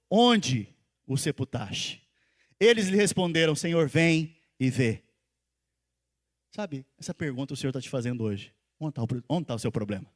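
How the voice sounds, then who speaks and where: A man, a pastor preaching a sermon who swings between loud, emphatic calls and soft, intimate asides, and who quizzes the congregation and repeats his phrases for stress. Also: high-pitched.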